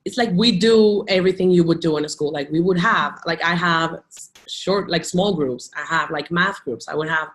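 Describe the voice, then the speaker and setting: Chatty Dominican woman teacher, low voice. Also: normal speed, a bit bright. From Dominican Republic. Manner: chatty, many "like" fillers and restarts. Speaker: teacher, interview guest. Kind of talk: casual video interview.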